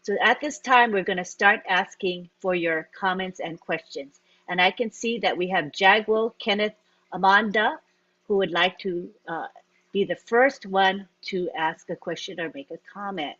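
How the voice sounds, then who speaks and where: A woman moderates an online webinar with a brisk, instructive delivery, setting out ground rules and inviting participants to speak. Her voice sits in a middle range. The call audio is dull and muffled. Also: medium pitch, a bit bright. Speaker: webinar host.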